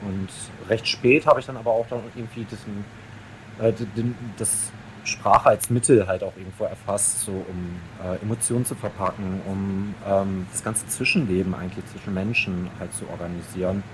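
A man speaks as a podcast guest, reflecting in a halting way with many fillers. His voice is fairly low. Faint noise sits under the recording. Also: fairly even intonation, poor audio. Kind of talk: casual chat.

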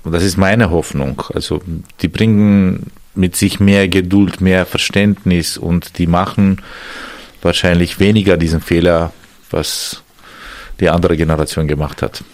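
Very low voiced guy, russian native, calm steady optimistic answers in an interview. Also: measured pace, no echo. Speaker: musician guest.

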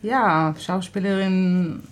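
A woman's voice: on the low side, slow pace. A woman from Israel speaking German with an Israeli accent, a stage actress talking hesitantly in a casual interview and often searching for words. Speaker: actress and theatre director.

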